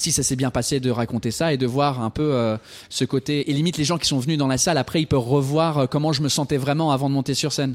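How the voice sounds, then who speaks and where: A man speaks at a very fast pace in a fairly high voice with fairly even intonation. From England. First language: English (speaking French). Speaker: stand-up comedian and YouTuber. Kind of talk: casual interview. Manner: halting, repeats words.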